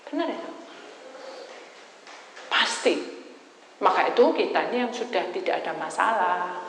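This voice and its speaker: A woman's voice: on the low side, unhurried. Woman pastor preaching in an echoey hall. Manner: storytelling, addresses the audience as "saudara", swings from loud to hushed. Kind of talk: testimony sermon. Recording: echoey hall with background noise.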